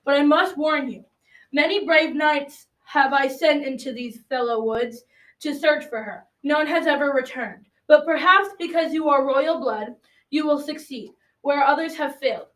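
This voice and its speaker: A woman's voice: high voice, normal speed, fairly bright tone, distant mic. A teenage girl playing a stern, formidable Black Knight in an amateur school radio drama, with formal archaic speech. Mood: grave. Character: formidable male Black Knight, stern challenger and grieving father. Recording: echoey room, off the mic.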